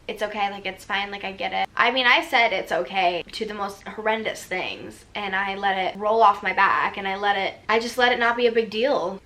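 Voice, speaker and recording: Bright-voiced chatty young woman. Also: mid-range voice. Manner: chatty and rambling, heavy use of "like". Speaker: vlogger answering viewer questions. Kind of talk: casual Q&A chat.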